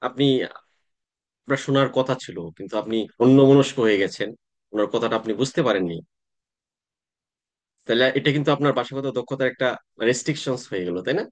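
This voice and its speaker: A man, teaching an online class in a relaxed, conversational way, often pausing to check that students follow. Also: medium pitch. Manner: conversational teaching with frequent "তাই না?" check-ins and hesitations. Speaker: tax exam coaching instructor.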